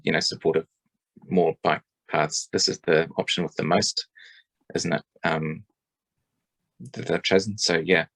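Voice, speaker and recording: A man's voice: deep voice, no echo, poor audio. A man giving a rambling, hesitant spoken submission at a public forum, with many ums and restarts. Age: adult parent.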